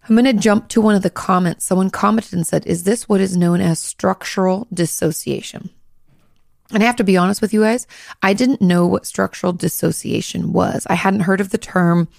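A woman hosting a podcast, a little hoarse, chatting casually and hedging with frequent likes and restarts. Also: on the low side, a little mellow, no room sound, clean studio sound. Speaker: podcast host, therapist.

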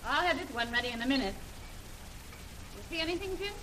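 An actress playing a feisty, impatient adventuress with sharp retorts in an old radio serial. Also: female voice, high voice, lively intonation, fast talker, slight background noise.

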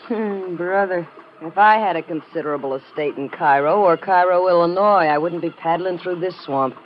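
An actress playing a worldly, brassy American riverboat singer in a 1950s radio drama, slangy, wry and streetwise. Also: female voice, on the low side, moderate pace, lightly acted. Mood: mocking. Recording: muffled, hissy old radio recording.

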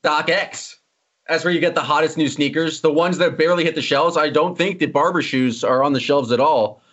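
A man hosting a casual sports podcast, teasing his co-host and joking as he moves quickly through topics. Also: a little high, fairly bright tone. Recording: slightly dull lo-fi audio.

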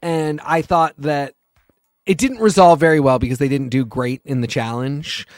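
A male podcast co-host offers his take in a thoughtful, hesitant way, pausing and restarting as he works through his points. His voice is on the higher side and smooth. The recording is dry and close. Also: no echo, soft background music. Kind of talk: casual chat.

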